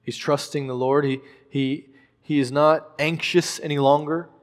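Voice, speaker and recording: A man's voice: fairly high pitch, fairly even intonation, a little slow, long reverb tail. A man preaching a sermon, earnest and emphatic, repeating phrases for stress.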